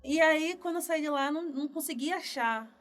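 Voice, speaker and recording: Chatty high-voiced woman from Northeast Brazil. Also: fairly quick. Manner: relaxed, chatty storytelling with many fillers. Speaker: guest developer. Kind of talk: casual podcast interview.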